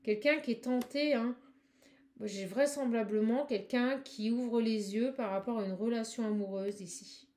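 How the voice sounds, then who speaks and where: A woman giving a spiritual card reading to viewers. She talks fast and effusively, with many exclamations, and addresses the listener directly. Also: fairly high pitch, warm tone. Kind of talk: live tarot-style channeling reading.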